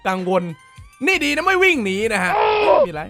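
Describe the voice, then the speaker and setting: A man's voice: very high-pitched, sing-song, moderate pace, gravelly, over loud music. A male host casually reacting to viral clips, exclaiming often, swearing freely and laughing along.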